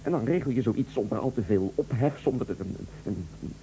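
Man as a flustered lover, creaky, mellow voice. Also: mid-range voice, animated, brisk, lightly acted. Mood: flustered, pleading. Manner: stammering, hesitant, repeating words. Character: flustered, defensive lover caught in a love triangle. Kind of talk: Dutch radio drama acting. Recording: dull lo-fi radio recording, faint hum.

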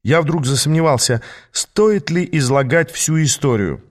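Male audiobook narrator, measured. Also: fairly high pitch. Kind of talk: scripted narration.

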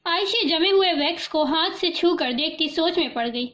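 High-voiced woman narrating a novel. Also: a bit bright. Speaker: audiobook narrator.

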